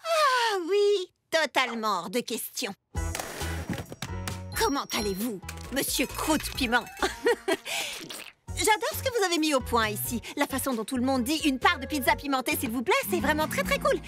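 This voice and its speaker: A plucky cartoon girl baker with a very high, bouncy voice. She is chatty, outspoken and emphatic, with music underneath. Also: sing-song, normal speed. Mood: breezy, chatty. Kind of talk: animated children's cartoon dub. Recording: music behind the voice.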